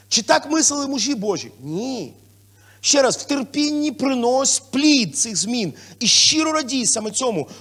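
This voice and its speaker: A man preaching a sermon as pastor, moving between quiet asides and loud excited calls, with casual fillers and restarts. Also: sits high, breathy edge. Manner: lively preaching, swinging from soft to loud exclamations; talks informally with fillers and restarts. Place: church hall.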